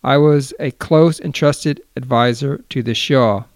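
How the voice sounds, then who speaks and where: A man reading the part of a broken, secretive elderly exile with a low, hoarse voice. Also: steady tone, a little slow, dry recording, clean studio sound, lightly acted. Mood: somber.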